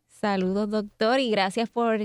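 A woman hosting a radio talk show from a studio, speaking in a measured, explanatory way. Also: medium pitch, fairly even intonation, smooth, no room sound. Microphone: studio microphone.

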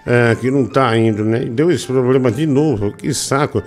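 A man from Brazil, hosting a casual live stream, slangy and teasing at an unhurried pace. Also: mid-range voice, darkish tone, soft background music. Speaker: livestream show host.

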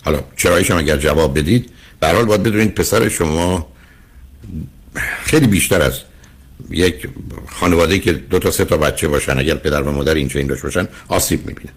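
An older man with a husky voice, a radio counseling host giving earnest, lecturing advice to a caller. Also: rumbling low.

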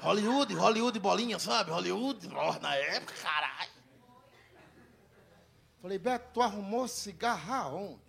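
This young Ceará comedian, speaking with a Northeastern Brazilian accent, works a live crowd from the stage with crude, animated stories full of acted-out dialogue. His voice is high and gravelly, with a measured pace and frequent pauses.

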